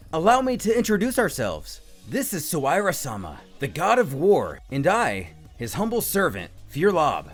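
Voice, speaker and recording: A man voicing a polite, deferential angel servant who is flustered and flattering, in a theatrical, courtly manner for a dramatic story. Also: fairly high pitch, unhurried, slightly rough, soft background music, exaggerated voice. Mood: courteous. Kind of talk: dramatic fan-story character acting.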